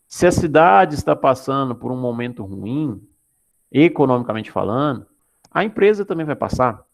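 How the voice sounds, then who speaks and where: Man from Goiás, Brazil, as a teacher giving an online class: gravelly, mid-pitched voice, explanatory, keeps checking in with students. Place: Anápolis, Brazil.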